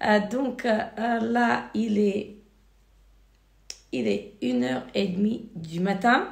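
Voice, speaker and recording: A woman with a cold and a hoarse voice, hesitantly reviewing finished beauty products in a casual vlog. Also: mid-range voice, expressive, slow pace, a little mellow. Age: married adult. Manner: hesitant, many fillers and restarts. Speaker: beauty vlogger. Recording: echoey room.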